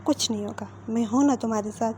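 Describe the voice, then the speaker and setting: A protective young man, read by a woman storyteller who reassures softly. Her voice stays warm and mellow with a faint background hiss. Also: on the high side, quick pace, close to an everyday voice. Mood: soothing. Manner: gentle, reassuring.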